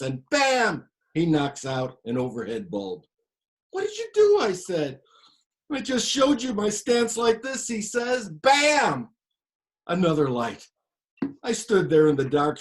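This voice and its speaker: A man playing a quiet grieving old grandfather. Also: a little high. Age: older. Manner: quiet, subdued storytelling. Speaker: actor. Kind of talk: one-man stage play monologue.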